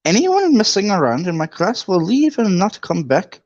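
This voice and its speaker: A man's voice: sits high, huge pitch swings, moderate pace, darkish tone, highs cut off, voice pushed up, heavily acted. A man voicing a strict, stern older witch teacher with a clipped, warning delivery.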